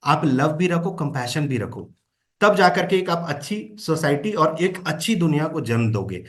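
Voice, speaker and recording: Coaching man with a higher voice. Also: big pitch swings, normal speed. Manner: coaching, with frequent "है ना?" check-ins; mixes English phrases into Hindi. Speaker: trainer. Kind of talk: motivational talk to an audience.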